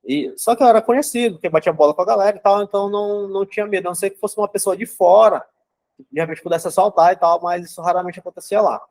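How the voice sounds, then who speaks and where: Young man with a slightly high voice, explaining psychology in a relaxed, conversational way. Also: fast talker. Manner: conversational, keeps asking "né?" and "certo?". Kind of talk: casual teaching talk.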